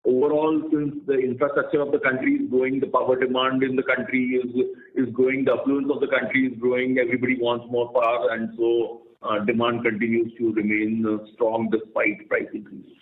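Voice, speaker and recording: Exec guy explaining stuff on a conference call, halting, echoey tinny phone sound. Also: medium pitch, flat delivery. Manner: explanatory, halting, repeats words. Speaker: company executive answering analysts. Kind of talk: earnings call answers.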